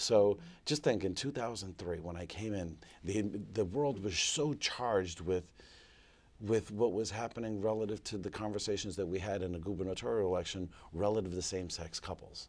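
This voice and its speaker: A man talks at a fairly quick pace in an unremarkable speaking voice, with a fairly low pitch and ordinary pitch variation. The recording is very clean, with a silent background. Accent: American. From Boston, Massachusetts (Mission Hill). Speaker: former state legislator. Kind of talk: interview. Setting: studio with audience.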